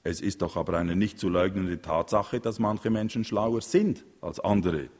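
A man reading an audiobook voices a defiant teenage schoolboy who answers quietly and cautiously. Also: deep voice, animated, moderate pace, slightly rough, in a large hall, full character voice.

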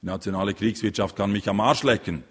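A man acts out a sick father in an audiobook, short of breath and wheezing between stern lectures. The voice sits fairly low. A long reverb hangs behind it. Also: fast talker, fairly bright tone. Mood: strained, stern. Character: ailing, stern middle-aged father, wheezing. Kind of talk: audiobook reading.

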